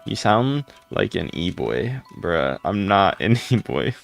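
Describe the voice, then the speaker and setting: A man with a deep voice chatting casually on a livestream, rambling and greeting viewers by name. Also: big pitch swings, slow pace, vocal fry, soft background music.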